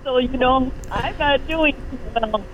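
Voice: sits high, slow pace, a bit bright. 92-year-old caller on an underwater-sounding phone. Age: 90s. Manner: worried, rambling. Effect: garbled phone line that sounds underwater. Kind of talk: call-in radio chat. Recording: tinny, noisy, bubbling phone line.

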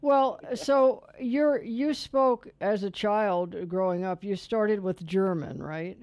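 A woman's voice: medium pitch, slow pace, darkish tone, no room sound. A woman hosting a casual chat with a caller, friendly, chatty and opinionated.

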